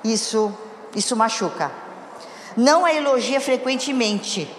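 A woman's voice: on the high side, lively intonation, a little slow, a little hiss or hum. Woman preaching in an echoey hall. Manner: conversational, asks the congregation questions. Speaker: church speaker. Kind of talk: sermon on marriage. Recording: echoey hall with long reverb.

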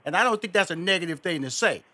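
A man's voice: high-pitched, lively intonation, quick pace, crowd noise. A man hosting a radio interview, enthusiastic and given to repeating words as he starts a thought. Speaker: interview host.

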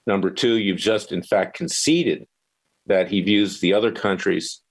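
Very deep-voiced combative talk show host. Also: male voice, unhurried. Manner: forceful, interrupting, blunt.

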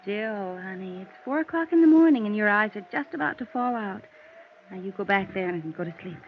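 Actress as tired cagey young mom on old radio, dull hissy broadcast sound. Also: female voice, medium pitch, lively intonation, brisk, close to an everyday voice. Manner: tired, guarded, evasive. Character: weary, guarded young mother hiding from a gangster. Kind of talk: 1950s radio drama acting.

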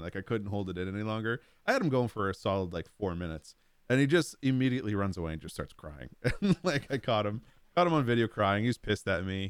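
A man co-hosting a podcast, telling a story in an animated way and laughing often. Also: on the low side, clean tone, dry recording. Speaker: podcast co-host. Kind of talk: casual storytelling.

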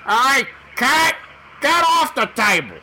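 A man playing a fussy elderly caller, turning away from the phone to yell at his cat. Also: very high voice, sing-song, slow, noisy background, voice pushed up, heavily acted. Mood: scolding. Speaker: radio show host. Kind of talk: prank phone call.

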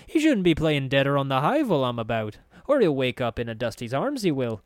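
A man voicing a sharp-tongued, scornful young street girl with a thick brogue and snappish, slangy speech. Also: medium pitch, huge pitch swings, a little fast, no room sound, pitched above the performer's own voice. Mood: indignant.

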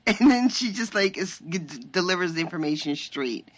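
Woman co-host, lower voice, very expressive, laughs a lot. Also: normal speed. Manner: animated, laughs often. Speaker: podcast co-host. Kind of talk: casual chat.

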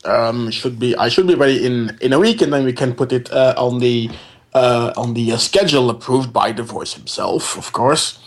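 A man's voice: medium pitch, moderate pace. A man co-hosting a casual radio show, full of stammered restarts and easy laughter. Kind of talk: casual chat.

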